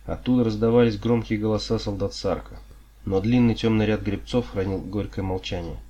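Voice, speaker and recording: A man reading an audiobook in a steady, measured storytelling manner. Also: lowish voice. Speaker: audiobook reader. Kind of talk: audiobook narration.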